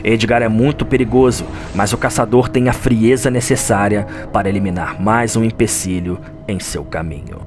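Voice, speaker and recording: Man performing a gothic horror lore scholar, Brazilian accent, lowish pitch, solemn theatrical storytelling, audio drama, prominent music bed. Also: normal speed, few pauses, lightly acted. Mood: tense storytelling. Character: male lore scholar narrating a dark gothic nightmare. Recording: music under the voice.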